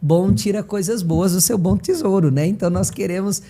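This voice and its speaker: Brazilian guy hosting a church livestream, mellow darker voice, reading out comments from viewers. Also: high voice, moderate pace. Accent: Brazilian Portuguese. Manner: reads out viewer comments warmly. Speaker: live show host. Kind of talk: hosting a live church broadcast.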